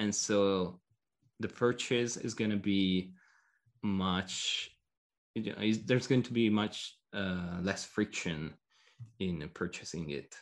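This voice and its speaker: A man's fairly low voice in an Italian accent, very slow with long, frequent pauses and ordinary pitch variation, on a very clean recording with a silent background. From Italy, near Milan. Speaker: software engineering consultant and author. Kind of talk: interview.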